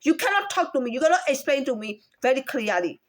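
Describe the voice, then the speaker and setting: Chinese-accented woman with a high voice. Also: sing-song. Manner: halting, repeats words, asks rhetorical questions. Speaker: former store employee. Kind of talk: personal account of a workplace complaint.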